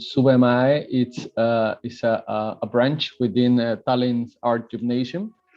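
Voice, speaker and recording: A man with a Spanish accent speaks very slowly at a medium pitch. His intonation stays fairly even. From Colombia. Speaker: educational researcher. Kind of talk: interview. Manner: hesitant, many fillers.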